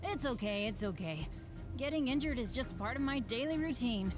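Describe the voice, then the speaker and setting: A woman's voice: a little high, animated, moderate pace, over music, lightly acted. A woman playing an earnest, cheerful young adventurer who shrugs off danger in a video game. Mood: cheerful, reassuring. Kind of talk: scripted video game voice acting.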